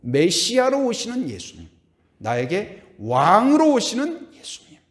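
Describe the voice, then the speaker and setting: A man's voice: high voice, measured pace. A middle-aged man preaching a Sunday sermon as pastor, asking the congregation questions and now and then humming or singing a hymn line. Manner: animated, asks the congregation questions, hums and sings hymn lines.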